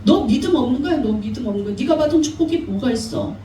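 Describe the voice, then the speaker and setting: A woman's voice: sits high, expressive, quick pace, dark tone, slight background noise. A woman playing a sneering, taunting devil. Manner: taunting, coaxing, mocking. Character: sneering devil tempting believers. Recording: echoey church hall, mic far off.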